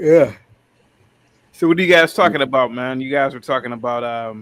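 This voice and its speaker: A man with an ordinary speaking voice talks at a moderate pace and medium pitch, showing ordinary pitch variation and big swings in loudness. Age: 30s. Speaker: caller. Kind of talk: casual chat.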